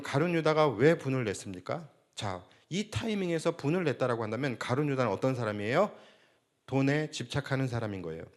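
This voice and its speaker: A male senior pastor preaching a Sunday sermon, asking the congregation rhetorical questions and acting out quoted speech. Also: medium pitch.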